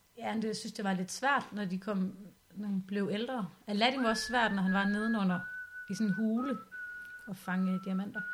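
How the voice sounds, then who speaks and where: Noticeable background noise sits under this recording. The woman speaking uses fairly even intonation. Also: medium pitch for a woman, moderate pace. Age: 20s. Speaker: comedian. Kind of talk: casual chat. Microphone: far from the mic.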